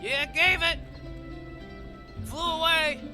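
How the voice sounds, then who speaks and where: A man voicing a blunt seagull messenger in a loud, screechy voice for a tabletop game. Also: very high voice, fairly even intonation, slow pace, music in the background, voice pushed up. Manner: loud, abrupt squawking delivery.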